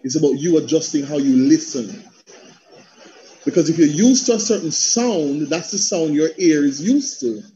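Joining a panel by video call from a room at home, a Jamaican theatre practitioner and coach talks with animated passion and a rhythmic flow, drifting into patois. His voice is fairly high yet mellow and his pace moderate. The sound is a bit dull, with slight hiss or hum.

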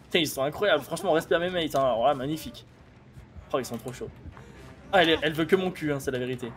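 A young man with a French accent commenting live on a game, excitable and laughing as he chats with viewers. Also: on the high side, quick pace. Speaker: streamer. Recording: music playing behind.

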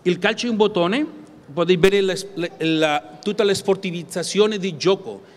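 Halting Catalan-accented man, reverberant amplified sound. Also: high-pitched. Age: middle-aged. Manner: halting, searching for words in non-native Italian. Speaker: conference speaker presenting games. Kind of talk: prepared public presentation. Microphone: gooseneck table microphone.

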